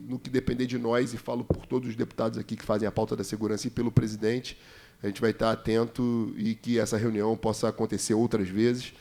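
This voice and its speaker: A man's voice: fairly low pitch, warm tone. Brazilian man giving a committee speech. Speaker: state legislator. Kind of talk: political speech at a committee hearing.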